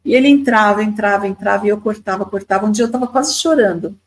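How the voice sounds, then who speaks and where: A woman's voice: medium pitch, fast, a little hiss or hum, low-quality recording. A woman in her fifties from Brazil, a podcast guest telling stories in a chatty way, often repeating words and adding tag questions. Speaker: podcast guest, YouTuber and lawyer. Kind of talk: casual storytelling interview.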